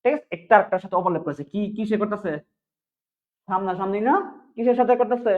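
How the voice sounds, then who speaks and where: A man teaching chemistry in an online exam-prep class, drilling students with quick repeated questions. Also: sits high. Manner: fast, repetitive question-and-answer drilling. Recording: phone-like narrow sound.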